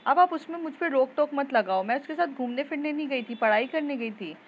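A woman voicing an angry teenage schoolgirl who shouts back at her mother in a raised, heated voice in a told story. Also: high voice, animated, fairly quick, dull audio, a little hiss or hum, voice pushed up. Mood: angry, defiant.

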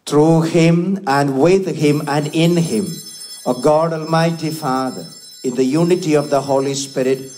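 A middle-aged man, a priest, reciting solemn Mass prayers in measured, deliberate phrases. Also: fairly high pitch, a little mellow, soft background music. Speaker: Catholic priest celebrating Mass. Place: small chapel, indoors at altar. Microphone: microphone on stand at altar.

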